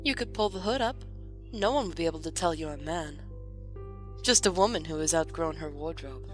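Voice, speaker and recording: Music plays clearly behind a woman playing a young noblewoman in an audio drama. She speaks low, with formal, composed phrasing and a dry, gently teasing edge. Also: animated, normal speed. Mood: dryly teasing. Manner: formal wording, dryly playful. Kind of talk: fan audio drama acting.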